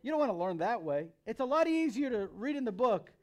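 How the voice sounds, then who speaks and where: A youth pastor in his thirties, American-accented, preaches in a very high, sing-song voice at a fairly quick pace. His sermon to young people is conversational and emphatic, with repeated phrases for emphasis.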